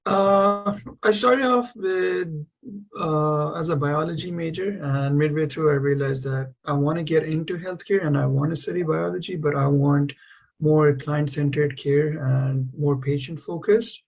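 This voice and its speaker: A man's voice: on the high side, measured pace, vocal fry. A man from India, a nursing student, answering thoughtfully with hesitant starts. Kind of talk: panel answers.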